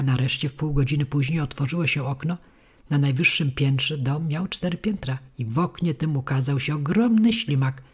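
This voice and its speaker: A woman narrating a children's storybook in an expressive, vivid way. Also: a bass voice, husky. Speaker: audiobook reader.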